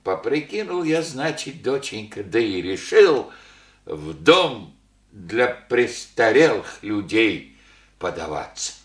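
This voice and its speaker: An actor playing a humble, elderly widowed village father who speaks in halting rustic phrases full of fillers. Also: on the low side, big pitch swings, roomy sound. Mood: rambling. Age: older. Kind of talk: archival Soviet radio play acting.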